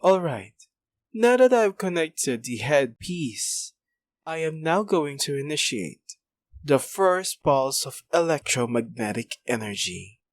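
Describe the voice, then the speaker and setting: A man's voice: fairly high pitch, very animated, slow pace, no room sound. A man playing a cold, arrogant villain doctor in an audio roleplay, with a clinical, condescending delivery. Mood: clinical, controlled. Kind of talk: ASMR audio roleplay acting.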